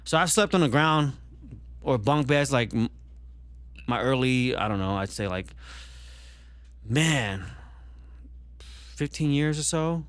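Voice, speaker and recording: A man's voice: mid-range voice, slow, long pauses, no room sound. A young man born in Vietnam, talking casually on a podcast and rambling with many fillers and restarts. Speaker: podcast guest.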